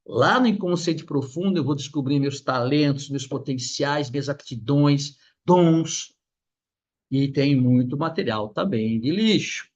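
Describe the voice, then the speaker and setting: A middle-aged man talks through ideas about the mind with animated, lively delivery and a slightly high voice. He keeps breaking into little acted-out quotes. The recording sounds dull and lo-fi. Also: a little slow. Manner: animated, acts out quoted voices, many restarts. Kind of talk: explanatory talk on psychology.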